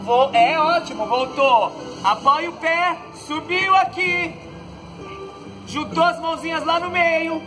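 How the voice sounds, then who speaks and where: A Brazilian man leading an outdoor stretching class, giving calm breathing cues and joking lightly as he moves the group through each pose. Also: very high voice, takes it slowly, poor audio. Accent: Brazilian Portuguese. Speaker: fitness instructor. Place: outdoor court, large open space. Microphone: far camera on the ground. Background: background music.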